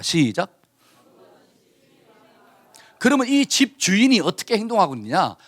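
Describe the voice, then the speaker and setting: Animated male pastor preaching. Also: high voice. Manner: animated, colloquial, acts out dialogue. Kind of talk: sermon with call-and-response scripture reading.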